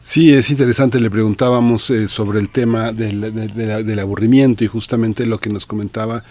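A man's voice: lowish voice, fairly even intonation, fairly quick, mellow. A man co-hosting a radio interview, explaining and summing up for listeners in a reassuring way. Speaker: radio co-host.

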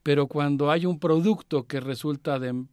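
A male radio co-host talks through world affairs in a careful, explanatory way. His voice sits somewhat high for a man and often stops on small "eh" fillers. The studio sound is dry and close. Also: a little mellow, smooth, no echo. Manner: measured, explanatory, with frequent "eh" fillers.

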